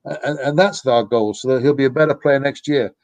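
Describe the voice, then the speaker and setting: Man, middle-aged, youth soccer coach, casual podcast talk, reflective, rambling, mid pitch. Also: brisk, darkish tone, no echo, lo-fi sound. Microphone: podcast microphone.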